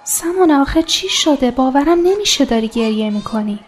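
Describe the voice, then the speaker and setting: A woman's voice: high-pitched, expressive, slight background noise. A woman playing a tender comforting friend. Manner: tender, coaxing. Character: caring young woman comforting her friend. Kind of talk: radio drama acting.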